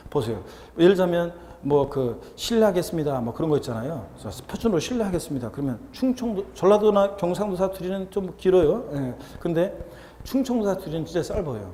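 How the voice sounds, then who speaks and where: A man's voice: high voice, lively intonation, a little fast, warm tone, a little hiss or hum. Chatty man lecturing in an echoey classroom. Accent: Seoul Korean. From Seoul, Korea. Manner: chatty, jokey, mimics dialects. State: slightly stuffy, with a runny nose. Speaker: real estate tax lecturer. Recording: roomy, reverberant classroom with faint ambience.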